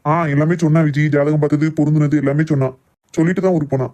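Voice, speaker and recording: Casting: man as assertive Tirunelveli village dad for cartoon drama, middle-aged, stubborn, very quick, slightly high voice. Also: steady tone, mellow, lightly acted. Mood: confident, reassuring. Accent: Tirunelveli Tamil. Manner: assertive, dismissive of objections. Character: stubborn middle-aged village father, protective of his family. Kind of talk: amateur cartoon family drama.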